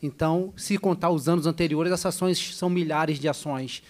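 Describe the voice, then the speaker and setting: A man's voice: fairly high pitch, steady tone, a little fast, darkish tone. A man, a state attorney, giving a polite, explanatory formal address at a legislative hearing.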